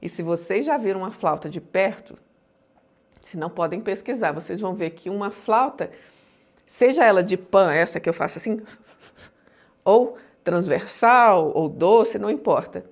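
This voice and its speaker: A woman's voice: medium pitch, animated, normal speed. A woman teaching an online course on public speaking, explaining points emphatically and often checking that listeners follow.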